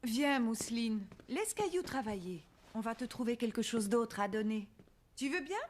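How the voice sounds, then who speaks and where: Cartoon mother: patient, gentle, high-pitched, sing-song intonation, talks to small children. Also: lively intonation, moderate pace.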